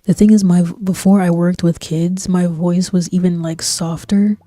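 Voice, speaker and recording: A young woman streams and chats in a low, soft-spoken voice that hovers near a whisper. Her tone is mellow and flat. She rambles along relaxed, full of fillers and slang, close on a dry desk mic. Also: moderate pace, no room sound. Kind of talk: casual chat while gaming. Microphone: desk microphone.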